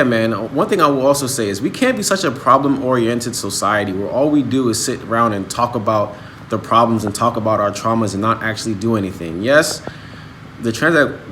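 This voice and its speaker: A man's voice: mid-range voice, fairly bright tone, slight background noise. A man in his thirties talking casually and earnestly to his viewers about learning languages, with many restarts. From United States. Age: 30s. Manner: earnest, motivational, talks in restarts. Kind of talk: casual vlog monologue. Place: outdoors, then a restaurant.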